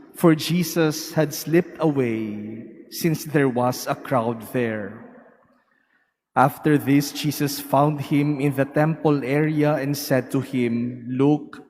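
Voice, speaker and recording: Priest with a long cathedral echo. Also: male voice, a little high, darkish tone, a little hiss or hum. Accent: Filipino. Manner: slow, measured liturgical delivery. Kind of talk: gospel reading and homily. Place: large church. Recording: reverberant church with faint music.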